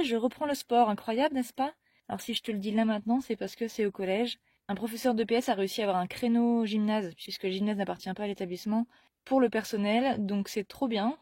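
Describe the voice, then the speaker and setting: A woman's voice: medium pitch, darkish tone. A middle-aged woman from France, an English teacher, chatting casually in a vlog, enthusiastic and full of fillers.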